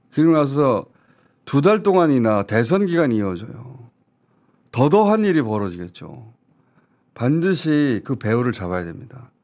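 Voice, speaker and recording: A political commentator with a medium-pitched, slightly mellow voice delivers heated commentary on a news talk show. He sounds indignant, emphatic, and urgent.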